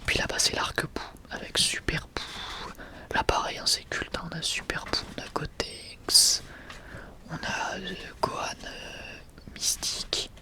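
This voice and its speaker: A young adult man whispers in a casual, enthusiastic ASMR style, sometimes hesitating as he presents. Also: sits high. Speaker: ASMR video creator presenting a manga collection.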